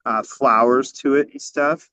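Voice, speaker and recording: A man's voice: medium pitch, fairly even intonation, unhurried, bright, forceful tone, dry recording. A man in his forties chatting loosely as a podcast guest, rambling and cursing casually. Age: 40s. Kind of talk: casual chat.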